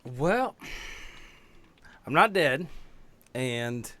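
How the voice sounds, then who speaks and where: Wry, folksy man improvising role-play, mid-pitched. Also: big pitch swings, extremely slow, fairly bright tone, dry recording. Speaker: tabletop game player on a podcast.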